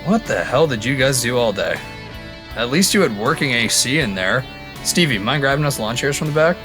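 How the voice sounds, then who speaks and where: A man's voice: medium pitch, big pitch swings, a little fast, music in the background, natural voice. A man playing a breezy, easygoing road-trip buddy in an audio drama, playful and exuberant. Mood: easygoing, friendly. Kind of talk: animated audio drama acting.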